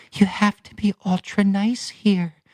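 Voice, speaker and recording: A man talks with a New York accent. The recording is very clean with a silent background, and the sound is dry and close with no echo. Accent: New York inflection. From Albany, New York. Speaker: fashion designer and artist. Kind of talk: casual podcast interview. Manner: energetic; halting, many restarts.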